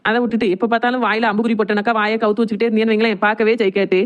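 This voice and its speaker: A woman acts out a chatty, unfazed young cartoon daughter-in-law with a southern Tamil Nadu accent. Her voice sits a bit high and tumbles out extremely quickly. She teases with cheeky mock innocence. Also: little pitch movement, dull audio, natural voice. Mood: mock-innocent. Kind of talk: cartoon comedy drama dialogue.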